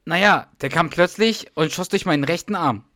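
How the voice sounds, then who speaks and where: A man's voice: on the high side, normal speed, sharp tone, no echo, studio quality, pitched above the performer's own voice. A man reading the part of a flustered husband who faked a heart attack, in a podcast read-through of a sitcom scene. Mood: defensive.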